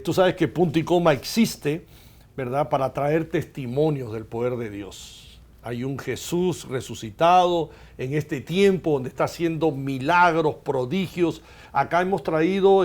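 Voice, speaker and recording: A middle-aged man hosting a Christian television interview in a studio, effusive and warm, often adding "verdad?". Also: on the high side. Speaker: host.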